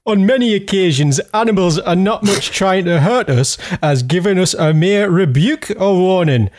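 A man voicing a male zoo biologist who explains things in a measured way. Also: high-pitched, animated, darkish tone, voice pushed up. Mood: dry.

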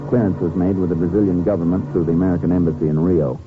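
An actor playing a calm, businesslike Texas Ranger, steady and authoritative, in a 1950s radio drama. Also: male voice, sits low, rapid-fire, background noise, lightly acted. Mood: measured narration. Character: calm, businesslike Texas Ranger lawman narrating his case. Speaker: lead character and narrator. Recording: tinny old radio recording.

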